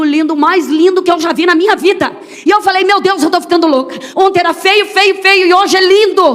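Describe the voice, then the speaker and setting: High-voiced woman giving a church testimony. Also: long reverb tail. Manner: storytelling, acts out quoted dialogue. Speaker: testimony speaker. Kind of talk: emotional sermon testimony.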